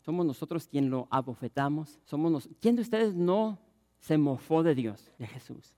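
A man preaching a passionate sermon as pastor, reading scripture and acting out the crowd's shouts. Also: fairly high pitch.

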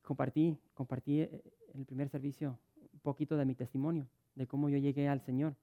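A man's voice: medium pitch, level tone, fairly quick, narrow, tinny audio. A middle-aged man preaching a sermon, telling stories with many stuttered restarts. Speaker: pastor.

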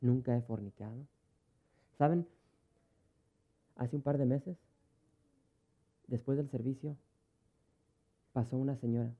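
A man's voice: mid-range voice, takes it slowly, gravelly, pauses often. A pastor, preaching a sermon in a conversational way and telling stories from his congregation. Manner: conversational, storytelling, acts out dialogue. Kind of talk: sermon with personal anecdotes. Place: church. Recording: tinny phone-like sound.

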